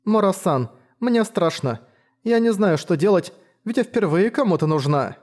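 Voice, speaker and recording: A woman's voice: fairly low pitch, lively intonation, moderate pace, a little mellow, voice pushed up, close to an everyday voice. A man voicing a shy, timid young female apprentice warrior who hesitates and stammers.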